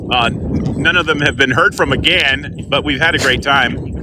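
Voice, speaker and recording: A man keeps a moderate pace while noticeable background noise continues. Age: 60s. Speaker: community college student, caller. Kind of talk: casual chat.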